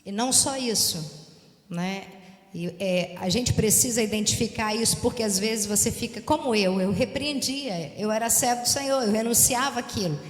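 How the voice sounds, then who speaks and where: A woman's voice: a little high, normal speed. A woman pastor giving an earnest, confiding personal testimony within a sermon. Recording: echoey hall reverb.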